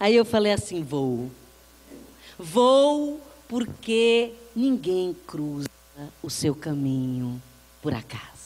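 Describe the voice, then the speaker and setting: A woman talks in a northeastern Brazilian accent at a medium pitch, with very wide pitch swings. Her pace is very slow, broken by long, frequent pauses. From Brazil, Northeast (Piauí). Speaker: spiritist lecturer, psychologist. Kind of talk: spiritual lecture. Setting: hall with audience. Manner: animated.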